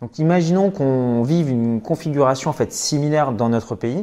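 At a moderate pace, a man talks with a dark, mellow tone, a fairly high pitch and ordinary pitch variation. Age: 30s. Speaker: former banker and wealth adviser. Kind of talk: casual interview. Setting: host's apartment.

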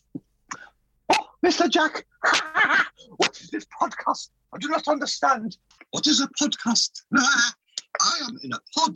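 A high-pitched put-on character voice at a fairly slow pace, with long, frequent pauses. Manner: loud, bewildered.

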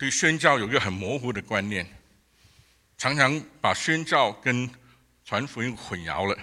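With lively intonation and a bright, sharp tone, a man at medium pitch talks at a fairly slow pace, leaving long, frequent pauses. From Singapore. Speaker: pastor. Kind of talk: sermon.

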